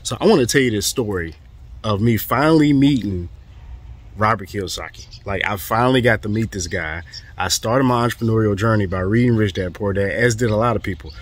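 A man from the southern United States with a hoarse, fading voice, telling an animated, profane story in a casual vlog. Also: fairly low pitch, brisk, soft background music. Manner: animated, profane, acts out quotes. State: hoarse, voice going. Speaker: real estate vlogger.

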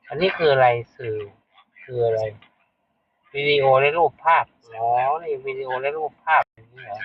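A man's voice: medium pitch, husky, dull audio. A man hosting a casual live stream, talking bluntly and chattily to his viewers. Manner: blunt, chatty, addresses viewers as brothers and sisters. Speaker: livestream host. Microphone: streaming setup.

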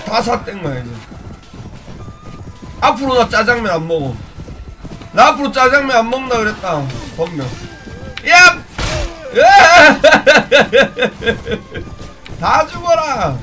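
A man streaming gameplay live, commenting excitedly and yelling trash talk at enemies in the game. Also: high voice, moderate pace, long pauses, soft background music.

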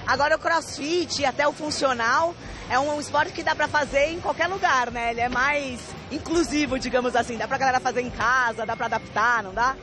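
A woman's voice: high-pitched, a little fast. A young woman reporting from a busy indoor sports fair, bubbly and full of compliments, holding a handheld mic. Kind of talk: on-the-spot fair interview. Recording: noisy expo hall with music and crowd. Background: crowd and music.

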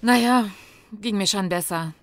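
A woman plays an unwell, downbeat worker in a radio play. Her voice is mid-pitched. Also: measured pace, natural voice. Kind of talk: audio drama acting.

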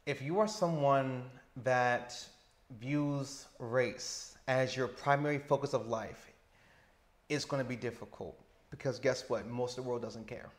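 A man in his thirties with a stutter, talking slowly and deliberately as an interview guest on a lapel mic indoors. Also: mid-range voice. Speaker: interview guest, teacher living abroad. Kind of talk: casual interview. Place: indoor lounge with sofa.

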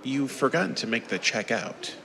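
A man plays a polite, puzzled bank clerk from an old radio drama. His voice is bright and creaky, ringing in a long reverb. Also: medium pitch, animated, moderate pace. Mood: polite puzzlement. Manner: polite, deferential. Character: courteous, puzzled male bank teller. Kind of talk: 1930s radio drama acting. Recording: long reverb, faint background noise.

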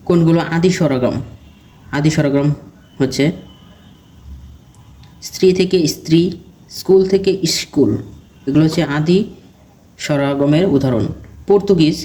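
A man teaching exam preparation, reading out quiz questions and then giving each answer in a steady question-and-answer recitation. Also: fairly high pitch.

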